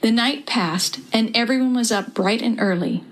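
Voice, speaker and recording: A woman narrating a dramatized children's story in an even, warm storytelling manner. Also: a little high, moderate pace, rough recording.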